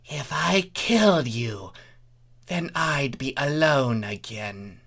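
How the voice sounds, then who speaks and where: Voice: medium pitch, animated, slow, a bit bright, slightly rough, exaggerated voice. A reader voicing a villainous female changeling queen in a comic fan fiction reading, theatrical, hissing and swinging between sweetness and menace. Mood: small, wistful. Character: scheming villainous changeling queen, theatrically wicked, female insect-pony creature.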